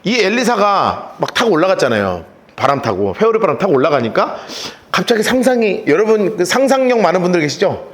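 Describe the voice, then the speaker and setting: A male pastor teaching the Bible in a lively storytelling sermon, telling listeners what to write down. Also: high voice, fairly quick. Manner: lively storytelling, gives note-taking instructions.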